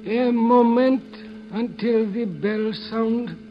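An actor in a 1950s radio drama playing a frightened, servile foreign henchman who speaks deferential, halting broken English on an old recording. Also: very high-pitched, lo-fi sound, noisy background. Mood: deferential, explaining.

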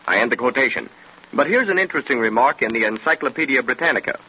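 An actor playing a dramatic mystery storyteller, formal and deliberate, in 1930s radio style. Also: male voice, mid-range voice, lively intonation, bright, forceful tone, dull audio. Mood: earnest, assured. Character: dramatic male mystery storyteller explaining eerie experiences. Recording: thin, noisy 1930s radio recording.

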